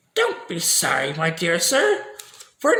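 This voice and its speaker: Shouting at a fairly slow pace, a man puts on a squeaky character voice, with audible echo. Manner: gleeful, jubilant.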